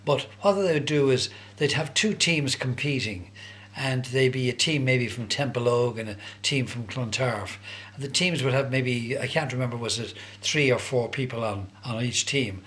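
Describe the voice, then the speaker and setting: An older man speaks in a Dublin accent at a middling pitch. He reminisces casually, like an interviewee in no rush, often hesitating and searching for the right word as he goes. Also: moderate pace, fairly bright tone. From Dublin, Ireland. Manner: hesitant, conversational, searching for words. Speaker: interviewee recalling his youth.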